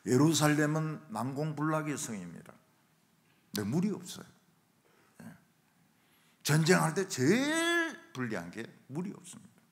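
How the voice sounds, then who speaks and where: A middle-aged man preaching a revival sermon in a church, telling stories and acting out shouted quotes. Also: on the high side, moderate pace, long pauses. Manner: animated storytelling, acts out shouted quotes. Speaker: pastor. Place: church sanctuary.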